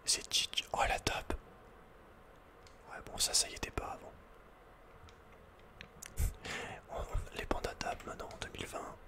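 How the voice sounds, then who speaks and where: A man's voice: unhurried, pauses often. A man whispering breathily as an ASMR host playing a video game, chatting informally with playful asides.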